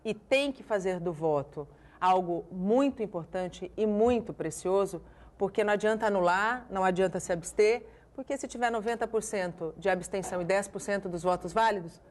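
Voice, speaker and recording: A Brazilian woman hosting a morning news show, asking questions in a lively, chatty way. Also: medium pitch, normal speed. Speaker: TV news presenter and interviewer.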